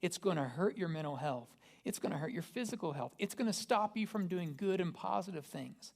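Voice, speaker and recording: A man's voice: sits high, expressive, fairly quick. A man, a pastor, giving a conversational sermon and asking the congregation rhetorical questions. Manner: casual, asks the listeners rhetorical questions.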